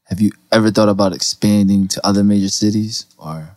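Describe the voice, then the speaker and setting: A man's voice: lowish voice, fairly even intonation, fairly quick, darkish tone, no echo, studio quality. A man co-hosting a casual podcast, laid-back and asking the guests questions. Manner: laid-back, short affirmations, asks questions. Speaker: podcast co-host.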